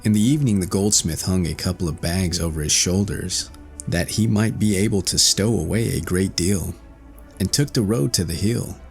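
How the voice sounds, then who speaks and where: A man's voice: deep voice, normal speed, soft background music. A man reading a fairy tale as an audiobook narrator, in a scripted storytelling style.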